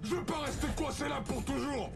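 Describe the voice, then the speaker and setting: Very high-pitched, exasperated game sidekick. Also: male voice, fairly quick, creaky, loud music behind the voice. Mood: urgent. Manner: pushy, slangy, swearing. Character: exasperated, urgent, blunt male sidekick buddy. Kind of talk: video game voice acting, French dub.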